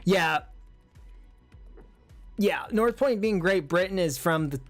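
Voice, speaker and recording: A livestream host chatting casually and reading viewer comments, thinking out loud in a hesitant, musing way. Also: mid-range voice, animated, slow, faint music behind.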